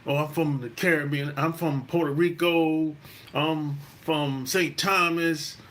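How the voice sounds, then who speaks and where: A man's voice: on the high side, steady tone, slow pace, a bit bright. A middle-aged man from South Carolina, hosting a podcast and telling a story in a loose, profane way, full of "you know.". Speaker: podcast host. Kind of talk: casual storytelling monologue.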